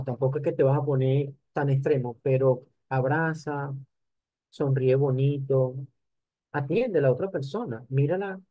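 An older man giving an animated motivational lecture, speaking straight to his audience. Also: medium pitch, no room sound. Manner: animated, addresses the audience directly. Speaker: conference speaker.

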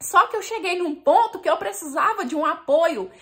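A woman's voice: very high-pitched, expressive, moderate pace, fairly bright tone. A young woman telling a personal story in the first person, emotional and confiding, often turning to her listeners.

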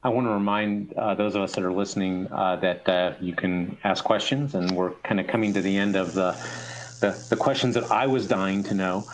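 Low-voiced middle-aged panel moderator. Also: male voice, fairly even intonation, normal speed, poor audio. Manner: conversational, questioning. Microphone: video call.

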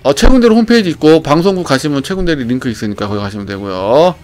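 Man, 30s, game streamer, excitable, headset mic, small room. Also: fairly high pitch, fast, soft background music. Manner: loud, excitable, laughing. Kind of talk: casual live-stream chat.

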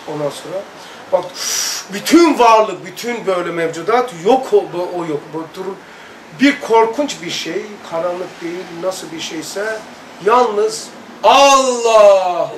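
A man leading a religious study circle, earnestly recounting a personal experience and reading aloud, acting out sounds with emphatic, drawn-out words. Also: high voice. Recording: echoey room, distant mic, light noise.

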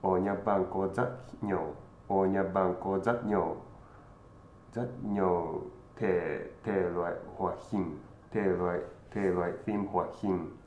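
A man's voice: low voice, fairly even intonation, a little mellow. A man in his thirties, a native Japanese speaker with a Japanese accent, presenting scripted phrases with careful enunciation. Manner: careful, deliberate enunciation of a learned language. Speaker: presenter of a language channel. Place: indoor room with green screen. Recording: roomy, slightly dull, faint noise.

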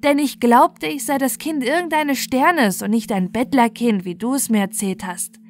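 A woman voicing a proud young boy in a fairy tale, with sharp, emphatic delivery. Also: a little high, normal speed, pitched above the performer's own voice, close to an everyday voice. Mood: scornful, angry. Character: proud, cruel, scornful young boy, later remorseful.

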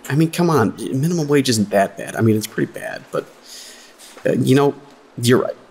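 A man's voice: medium pitch, animated, moderate pace, darkish tone, a little hiss or hum, close to an everyday voice. A man playing a sarcastic, awkward, chatty guy who rambles through small talk in an audio drama. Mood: sarcastic, rambling.

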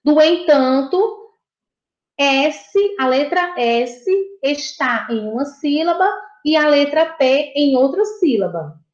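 High-voiced teacher speaking slowly to children. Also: female voice, animated. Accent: Brazilian Portuguese. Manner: slow, patient, repeats and praises children. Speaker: primary school teacher. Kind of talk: recorded video lesson for children. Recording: dull, echoey room.

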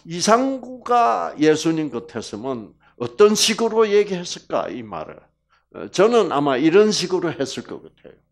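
A man giving a sermon-style health lecture, swinging from loud emphasis to hushed whispers and joking as he goes. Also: mid-range voice. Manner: slow, drawn-out emphasis.

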